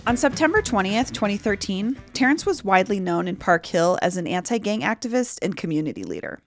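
A woman host narrating a scripted news story in a clear, measured way. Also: medium pitch, sing-song. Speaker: podcast host. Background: music.

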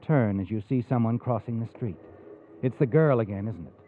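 A man's voice: medium pitch, fairly quick, slight background noise, close to an everyday voice. A man playing a knowing, taunting, ominous narrator in a 1940s radio mystery, addressing the listener on a muffled old recording. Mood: knowing, suspenseful. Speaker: host and narrator.

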